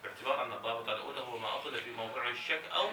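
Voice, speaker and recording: A man, a student, raising a quick and hesitant objection during a class. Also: medium pitch. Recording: distant, echoey with noise.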